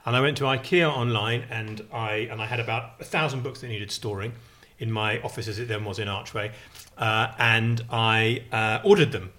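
A man's voice: fairly low pitch, steady tone, normal speed, pushed and bright. A man co-hosting a casual chat, telling wry stories and ranting with gusto. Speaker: podcast co-host.

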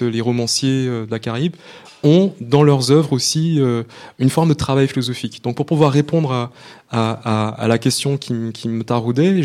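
A young man from Martinique speaks at a public book talk about his research. His delivery is halting, full of fillers and repeated words as he searches for terms. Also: mid-range voice, darkish tone. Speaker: author and researcher.

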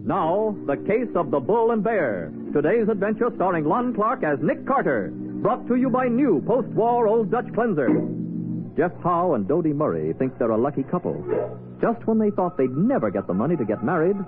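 A man's voice: sits high, very animated, normal speed, over music. A man announcing and narrating in a scripted 1940s radio style. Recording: tinny old radio broadcast.

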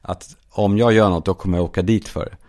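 A man hosting a solo comedy podcast, telling absurd stories in a deadpan way and now and then shouting out quoted lines. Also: low voice. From Sweden. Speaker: podcast host.

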